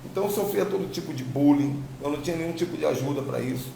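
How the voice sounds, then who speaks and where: A Brazilian apostle and religious teacher tells his personal spiritual testimony to online followers, speaking informally and emphatically and repeating himself. His gravelly voice sits higher than usual, moves fast, carries a warm tone, and shows a slight tongue-tie. The recording has a roomy echo with faint background noise.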